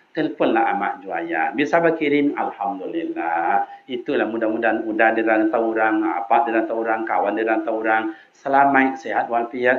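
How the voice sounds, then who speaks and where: A man preaching a sermon in a mosque with a Minangkabau accent, swinging between loud high calls and low quiet asides. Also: phone-quality sound.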